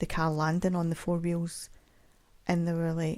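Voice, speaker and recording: At a moderate pace, a woman speaks with a Scottish accent and a fairly low pitch. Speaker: podcast host. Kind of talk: solo podcast monologue. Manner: casual, chatty.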